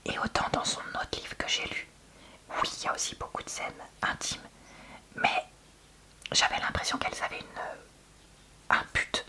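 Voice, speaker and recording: A woman whispering softly in a library whisper, chatting candidly in a conversational ASMR book-review style. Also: a little slow, long pauses. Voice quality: soft, breathy unvoiced library whisper. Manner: hushed, conversational, candid opinions.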